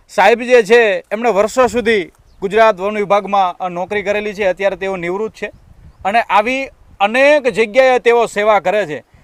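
The man's high-pitched voice comes through with a dry, close sound and no echo. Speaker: YouTube vlogger. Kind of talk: casual video interview. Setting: outdoors. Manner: animated.

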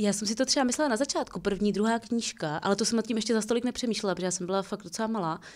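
Fairly high-pitched woman at a very fast pace with hardly any pauses. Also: ordinary pitch variation. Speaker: podcaster, fan expert on a book series; podcaster. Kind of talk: casual chat. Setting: studio livestream. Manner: soothing, sleep-inducing. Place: studio. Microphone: studio mic.

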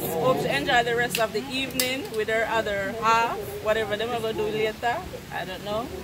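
Over loud background noise, a woman talks at a fairly high pitch with a Jamaican accent. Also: ordinary pitch variation, fairly quick pace. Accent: Jamaican Patois. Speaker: family member at the party; guest. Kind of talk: casual chat and party speech. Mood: cheerful, joking. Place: garden.

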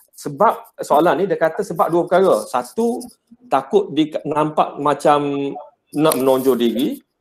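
A fairly high male voice with lively intonation at a fairly slow pace. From Malaysia. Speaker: webinar moderator. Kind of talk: formal interview. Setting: video call. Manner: formal. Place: office. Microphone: earbuds.

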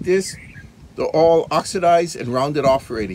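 There is noticeable background noise while a man speaks in a high pitch. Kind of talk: tutorial. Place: open country.

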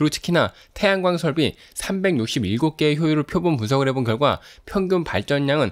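An ordinary speaking voice from a man, fairly high in pitch, with lively intonation and a fairly slow pace, on a very clean, silent recording with a dry, close sound and no echo. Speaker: YouTube news commentator. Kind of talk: news commentary.

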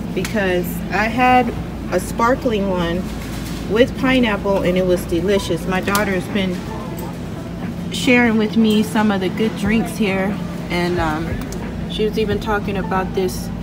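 Fairly slow speech broken by long, frequent pauses, under loud background noise. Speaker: family vlogger. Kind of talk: casual vlog chat. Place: shop. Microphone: phone near.

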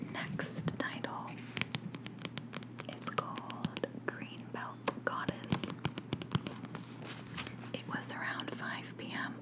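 Against loud background noise, a woman speaks at a very slow pace with long, frequent pauses. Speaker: ASMR artist. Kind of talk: reading of missed connections ads. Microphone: studio mic.

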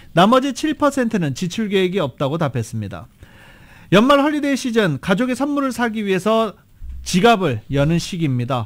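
A man with a high voice swings his pitch very widely, speaking at a moderate pace against a quiet background. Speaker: radio news anchor. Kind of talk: news reading. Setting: studio. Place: studio. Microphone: studio mic.

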